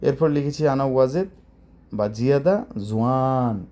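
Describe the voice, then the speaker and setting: A man's voice: mid-range voice, expressive, measured pace, dark tone. A man teaching Arabic phrases, who explains each word, repeats phrases and asks his listeners questions. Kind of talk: language lesson.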